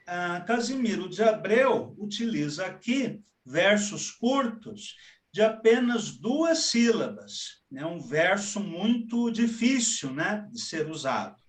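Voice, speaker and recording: A man teaching a poetry class online, explaining slowly and deliberately with frequent "né". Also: sits high, sing-song. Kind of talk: online class lecture with poem readings. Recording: echoey room, mic far off.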